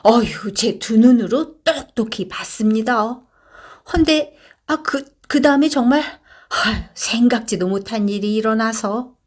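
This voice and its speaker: A woman voicing a flustered male clerk who stammers and talks in a breathless, high rush. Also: unhurried. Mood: excited.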